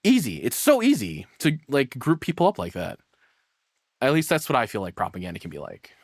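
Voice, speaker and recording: A man giving casual live reaction commentary as a streamer, rambling and excitable, with casual swearing. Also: mid-range voice, brisk, husky, no room sound, studio quality.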